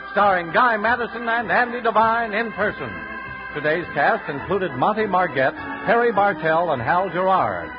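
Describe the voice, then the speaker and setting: An American man announcing in a polished old-time 1950s radio style, reading sponsor messages to young listeners. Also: high voice. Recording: dull vintage radio recording with music. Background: music.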